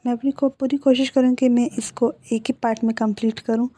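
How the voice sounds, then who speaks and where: Chatty woman reading out a fanfic story, slightly high, warm dry sound. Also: fairly even intonation, a little fast, no room sound. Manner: chatty, conversational. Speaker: fan fiction storyteller. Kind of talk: casual story narration.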